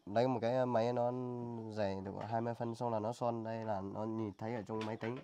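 A village man with a lowish, mellow voice gives short, deferential answers to questions. He hesitates often and mostly just agrees politely. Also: flat delivery, fast talker, slight background noise. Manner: brief, deferential replies, hesitant. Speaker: interviewed villager.

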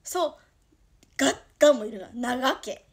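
Speaking in her native Toyama dialect, this young idol streamer from Toyama, Japan responds casually to comments from her viewers. Her high-sitting voice is unhurried, shifting between quiet murmurs and sudden bright outbursts.

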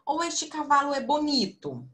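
A woman teaching young children in an online class over a video call, speaking slowly in a sing-song, patient teacher voice. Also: high-pitched, big pitch swings, a bit bright. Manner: slow, sing-song teacher talk to children, calls herself auntie. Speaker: primary school teacher. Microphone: computer mic on video call.

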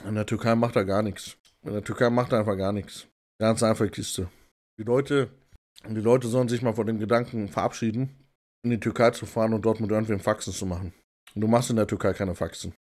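A man casually commenting on clips as a streamer, relaxed and slangy, often laughing. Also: fairly low pitch, brisk. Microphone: desktop condenser mic.

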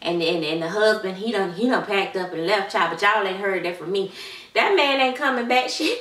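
A woman plays a gossipy auntie watching the babies, rambling on and sprinkling child and honey into every line. Her voice is bright and forceful, caught from a distance in a roomy, echoing space. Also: medium pitch, moderate pace, lightly acted. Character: gossipy middle-aged Southern auntie babysitter, sassy. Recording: roomy room, mic at a distance.

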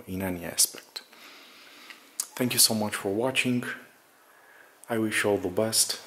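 A man with a slightly low voice talks through a casual, unscripted vlog. His delivery is very slow and halting, and he often searches for the next word as he narrates from behind the camera. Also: pushed and bright. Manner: hesitant, halting, searching for words. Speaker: vlogger showing an apartment renovation. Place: indoors in an empty apartment under renovation.

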